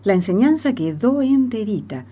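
A woman's voice: on the high side, big pitch swings, normal speed, dark tone. A woman with an Argentine accent speaking in a conversational radio drama style. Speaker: cast member of a religious radio show.

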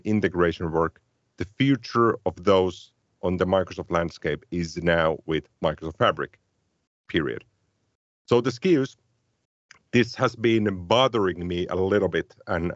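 A man's voice: low voice, no echo, highs cut off. A man with Finnish as his native language, co-hosting a casual tech podcast and talking thoughtfully with frequent restarts. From Finland. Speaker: podcast co-host.

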